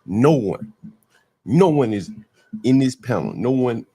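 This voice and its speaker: Blunt, husky man in his fifties. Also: mid-range voice, expressive, a little slow, dark tone. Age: 50s. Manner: blunt, dismissive, rambling with restarts. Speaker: commentator reacting to a panel. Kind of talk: opinionated commentary.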